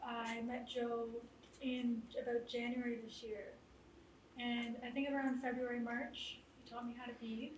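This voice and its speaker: Shy, quiet young woman, echoey hall. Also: a little high, little pitch movement, measured pace. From Ontario, Canada. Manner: shy, hesitant, many fillers. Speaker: young beading artist. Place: indoor exhibit hall. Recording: echoey room, distant, with background noise.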